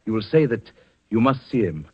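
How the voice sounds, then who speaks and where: An actor playing a cold, scheming husband in a 1940s radio drama, speaking in a menacing, commanding way. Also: male voice, on the low side, very animated, moderate pace, husky. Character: scheming cold husband, middle-aged man. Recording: dull old radio broadcast.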